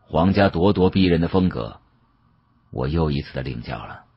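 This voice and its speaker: A man's voice: rumbling low, expressive, moderate pace, slightly rough, dry recording. A man narrating a novel in the first person as an audiobook, in a dramatic, colloquial storytelling style. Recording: muffled, dull lo-fi audio.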